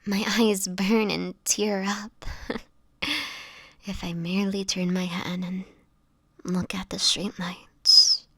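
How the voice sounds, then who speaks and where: A woman playing a sickly, homeless vampire in an intimate audio roleplay, speaking softly and haltingly, often in a whisper, with formal old-fashioned wording and gentle melancholy. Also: mid-range voice, little pitch movement, husky, heavily acted. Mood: sorrowful, weary. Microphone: close microphone, dry.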